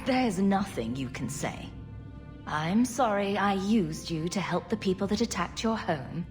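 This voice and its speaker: A woman's voice: mid-range voice, lively intonation, unhurried, over music, lightly acted. A woman playing a sardonic, betrayed heroine in a fantasy video game, sarcastic and challenging. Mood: bitter, sarcastic.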